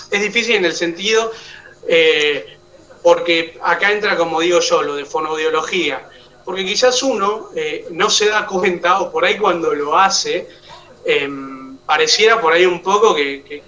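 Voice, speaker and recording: A man's voice: high-pitched, moderate pace, sharp tone, recorded from a distance, muffled recording. A man with an Argentine accent teaching an oratory class, explaining step by step and checking that his students follow. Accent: Argentine Spanish. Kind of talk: online class lecture.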